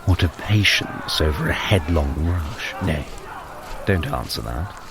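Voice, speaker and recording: A man's voice: extremely low pitch, expressive, measured pace, background noise, heavily acted. An actor playing a sly, witty god prince and scheming flirt in an audio drama, wry and courtly in his phrasing. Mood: suave, flirtatious. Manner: wry, smooth-talking, courtly archaic phrasing.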